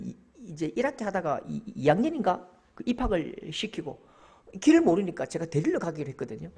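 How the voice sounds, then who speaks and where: A middle-aged man, preaching a sermon as pastor and acting out dialogue with voices that shift between soft and loud. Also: sits high, gravelly, slightly rough.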